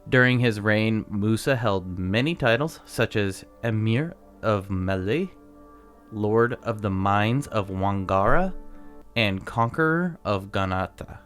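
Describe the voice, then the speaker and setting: Young male podcast co-host, low voice, loose storytelling with stumbles, faint music bed. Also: animated, slow, smooth. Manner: reads facts aloud with stumbles, laughs at his own pronunciations. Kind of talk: casual storytelling chat.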